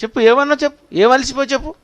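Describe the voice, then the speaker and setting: A man with a strikingly high voice preaches to his congregation. He repeats phrases over and over and keeps asking his listeners direct questions. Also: steady tone, racing, fairly bright tone. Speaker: pastor. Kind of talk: sermon.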